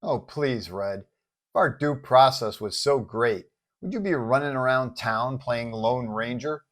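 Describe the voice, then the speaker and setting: Female police chief, read by a man: pragmatic, forceful, persuasive girlfriend in a superhero tale, slightly raised pitch. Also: expressive, measured pace, natural voice. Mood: exasperated. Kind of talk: superhero story character voice.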